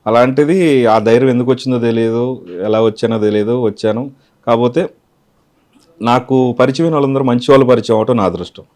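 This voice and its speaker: Guy in an interview, middle pitch, calm, thinking out loud. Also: a little fast. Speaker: mimicry artist, interview guest. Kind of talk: interview answers.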